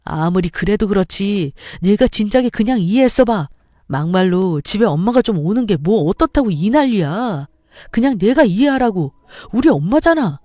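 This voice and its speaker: A woman's voice: mid-range voice, lively intonation, moderate pace, warm tone, no room sound, studio quality, close to an everyday voice. A woman voicing a defensive young husband who talks in an exasperated, raised voice. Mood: indignant. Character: defensive young husband, whiny mama's boy.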